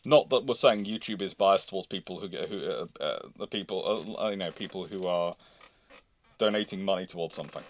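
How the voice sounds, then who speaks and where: A man hosting a casual live question-and-answer stream, speaking haltingly, often repeating phrases and interrupting himself. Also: deep voice. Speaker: livestream host.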